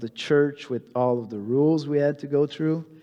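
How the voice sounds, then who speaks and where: In a French accent, a man speaks with a dark, mellow tone and fairly even intonation. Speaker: pastor. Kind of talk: sermon. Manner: halting.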